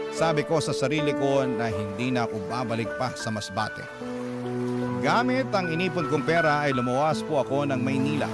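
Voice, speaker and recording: A man's voice: mid-range voice, natural voice. A man playing a proud, resilient gay man, narrating his life story for radio with a Filipino accent in a confiding, dramatic way. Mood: determined pride. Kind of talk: dramatised first-person radio letter narration. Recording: loud music bed under voice.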